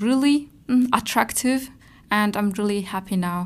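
A Syrian accent with ordinary pitch variation. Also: woman. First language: Arabic. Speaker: environmental engineer. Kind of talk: interview. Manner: halting, many fillers.

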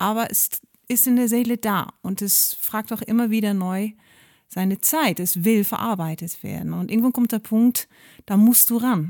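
A woman's fairly high-pitched voice with a dark, mellow tone, at a moderate pace with ordinary pitch variation. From Netherlands. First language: Dutch (speaking German). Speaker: musician. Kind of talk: interview conversation.

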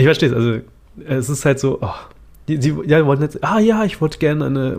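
A man talks very fast at a fairly high pitch, his intonation lively. His voice is somewhat breathy. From Hamburg, Germany. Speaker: podcast guest. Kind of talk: casual conversation.

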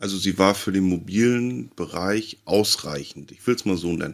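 A man talks at a moderate pace in an unremarkable speaking voice, fairly low in pitch with lively intonation. The recording is very clean, with a silent background. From northern Germany, Lübeck area. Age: 30s. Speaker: DJ. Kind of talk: casual chat.

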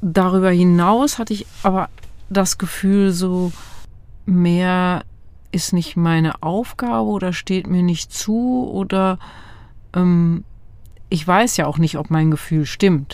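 A woman at medium pitch with ordinary pitch variation, very slow, with long, frequent pauses. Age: 60s. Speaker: retired doctor. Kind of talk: casual interview. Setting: outdoors by the sea.

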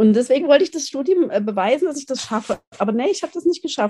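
This woman talks at a fairly quick pace in a dry, close sound with no echo. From Germany, raised partly in eastern Germany. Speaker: entrepreneur, museum founder. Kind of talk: casual interview chat. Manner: hesitant with many fillers.

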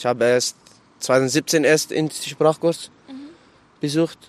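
In an Arabic accent, a man speaks with monotone, flat intonation in a dry, close sound with no echo. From Syria. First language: Arabic (speaking German). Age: 20s. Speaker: refugee and trainee electrician. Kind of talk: interview. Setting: outdoors on a park bench. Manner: halting.

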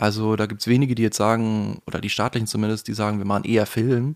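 Recorded very cleanly against a silent background, the speech moves at a fairly quick pace with a dry, close sound and no echo. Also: man. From Palatinate, Germany (French father). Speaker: actor and voice actor. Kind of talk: casual interview chat. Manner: lively, cheerful.

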